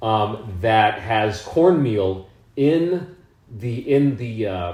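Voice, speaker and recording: A man in a Chicago accent speaks at a very slow pace with medium pitch and lively intonation. Room echo is audible. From Chicago area, US Midwest. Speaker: podcast host. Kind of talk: casual chat. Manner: animated.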